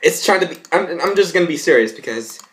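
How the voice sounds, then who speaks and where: Halting young man reading aloud casually. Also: fairly high pitch, expressive, a bit bright. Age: young adult. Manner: halting, stumbling over words. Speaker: vlogger reacting to and reading fan fiction. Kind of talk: casual rambling reaction and amateur read-aloud. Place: small home bedroom.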